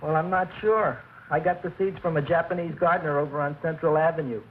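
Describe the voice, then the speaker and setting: An actor playing a shy young flower shop clerk who talks meekly and hesitantly. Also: male voice, a little high, steady tone, fast, slight background noise, natural voice. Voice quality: meek, hesitant. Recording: thin, phone-like old film soundtrack with music.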